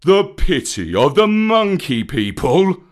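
A man voicing a big old brown bear, a stern but tender teacher with a weighty, emphatic, old-fashioned way of speaking in a storybook. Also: huge pitch swings. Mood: angry, stern. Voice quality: rumbling, weighty. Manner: slow, emphatic, archaic storybook speech.

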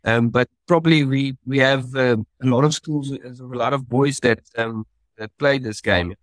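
Rambling rugby pundit. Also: male voice, mid-range voice, a little slow, no room sound. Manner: rambling, hesitant. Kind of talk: podcast discussion.

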